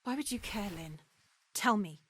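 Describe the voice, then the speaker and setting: A young woman voicing a defensive, bitter young woman in a video game, with a sharp, guarded delivery. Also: mid-range voice, lively intonation, measured pace, slightly rough, dry recording. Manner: sharp, guarded, flares into shouting. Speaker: game character.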